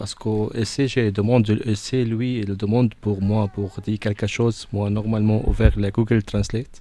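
A man speaks with an Arabic accent in a monotone, flat way. His pitch is fairly low and his tone is dark and mellow. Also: fairly slow pace. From Syria. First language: Arabic (speaking French). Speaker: cellist. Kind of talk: interview. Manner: halting.

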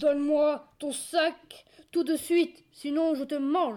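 In a put-on character voice, someone speaks at a high pitch and a fairly slow pace. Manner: mean, threatening.

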